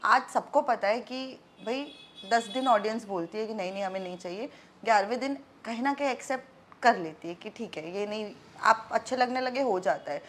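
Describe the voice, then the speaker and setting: Candid young woman, slightly high voice. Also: moderate pace, slight background noise. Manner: chatty, candid, mixes English into her Hindi. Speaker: actress and guest. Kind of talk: casual interview chat in Hindi and English.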